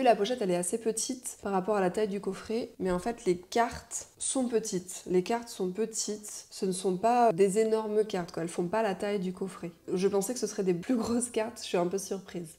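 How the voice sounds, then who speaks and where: A woman with a French accent reviewing an oracle card deck in a chatty, explanatory way, pausing with fillers while she reads and comments. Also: mid-range voice, warm tone. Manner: chatty, thinks aloud with frequent "euh" fillers and lists. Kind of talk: casual explanatory review, reading passages aloud.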